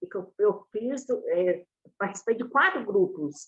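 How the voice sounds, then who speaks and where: A woman's fairly high voice rises and falls in very wide pitch swings. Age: 60s. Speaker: participant giving a testimony. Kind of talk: testimony. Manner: halting.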